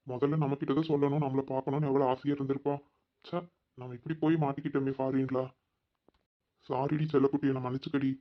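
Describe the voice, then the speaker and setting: A man's voice: mid-range voice, muffled recording, natural voice. A man voicing a young husband back from abroad in a cartoon, tenderly soothing his tearful wife. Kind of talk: cartoon voice acting.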